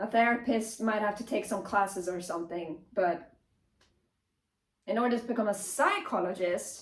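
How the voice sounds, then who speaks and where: A woman's medium-pitched voice with a Swedish accent, at a moderate pace with ordinary pitch variation and long, frequent pauses. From Sweden. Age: 20s. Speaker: vlogger. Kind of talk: casual vlog monologue. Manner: stumbling on words.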